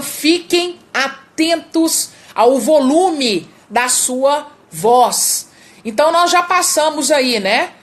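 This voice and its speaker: A Brazilian woman coaching public speaking in a live lesson, emphatic and repeating key words for stress. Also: sits high. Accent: Brazilian Portuguese.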